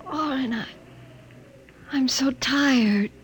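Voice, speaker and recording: An actress playing a young wife and survivor in a 1950s radio drama, earnest and dramatic, on a noisy old recording. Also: female voice, high voice, very slow. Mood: hushed, afraid. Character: young wife, fearful yet hopeful survivor from underground.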